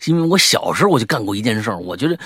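A man reads a listener's story aloud as a podcast host, and he tells it with a lot of life. His pitch swings widely and his voice is a little husky, and the recording is very dry and close. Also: racing, no echo. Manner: lively, mimics characters with sudden high-pitched outbursts. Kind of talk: animated storytelling read-aloud.

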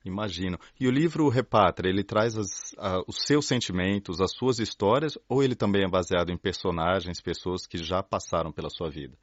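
A calm male radio host with a lowish voice who asks short questions and wraps up the show in a measured tone. The sound is dry and a little dull. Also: no room sound. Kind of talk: radio interview and closing announcement.

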